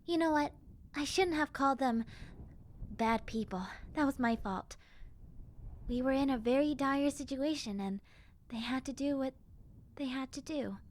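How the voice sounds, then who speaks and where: Zombie girl for audio drama, played by a woman: gentle, friendly, wistful; high voice, very unhurried, hesitant delivery. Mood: wistful, resigned. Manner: soft, hesitant, sighing, childlike sincerity. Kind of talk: roleplay audio drama monologue.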